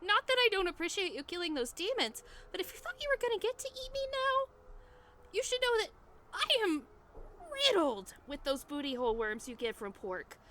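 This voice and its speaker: A woman's voice: extremely high pitch, very animated, moderate pace, sharp tone, a little hiss or hum, full character voice. A woman playing a frantic, brash, rambling newcomer stranded in hell in a comedic audio drama. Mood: pleading.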